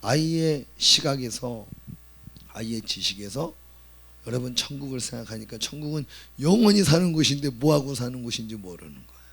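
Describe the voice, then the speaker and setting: A man's voice: medium pitch, lively intonation, moderate pace, creaky, fairly bright tone, breathy edge. A man, a pastor, preaching an earnest sermon with emphatic rises in his voice.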